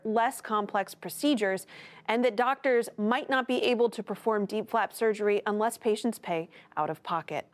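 A female news correspondent narrating a scripted health report and introducing a guest, in a clear explanatory delivery. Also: fairly high pitch, darkish tone.

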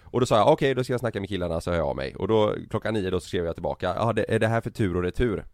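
A man's voice: low voice, expressive, no room sound, studio quality. A man in his thirties, a podcast host, telling a long anecdote in casual chat, laughing and acting out quoted lines.

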